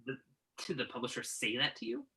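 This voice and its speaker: Wry, bright-voiced, very animated young journalist played by a man. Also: mid-range voice, fairly quick, poor audio. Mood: reluctant. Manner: wry, sarcastic, protesting. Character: exasperated, principled young male entertainment journalist. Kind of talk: virtual staged play reading, naturalistic dialogue.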